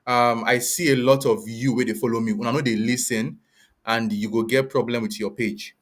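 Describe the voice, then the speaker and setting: A man's voice: mid-range voice, steady tone, moderate pace. Male live-stream host, West African accent, casual Pidgin English, blunt and admonishing delivery, straight to the listener. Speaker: host and content creator.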